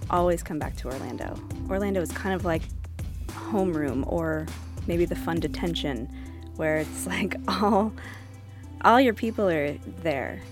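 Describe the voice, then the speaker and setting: A woman's voice: on the low side, lively intonation, measured pace. A young adult woman chatting playfully and fondly with a friend. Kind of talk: casual chat. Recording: music playing underneath.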